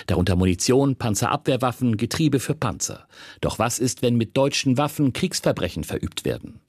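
A man reading a scripted radio report in an even, read-aloud manner. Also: mid-range voice, dry recording, clean studio sound. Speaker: correspondent.

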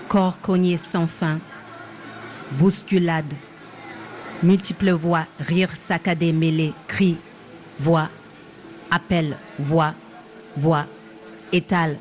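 A woman's voice: low voice, darkish tone, slight background noise, rough recording. An actress in her thirties playing a frightened woman calling for her lost mother, with a repetitive, trembling, incantatory delivery. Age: 30s. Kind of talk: theatrical drama acting.

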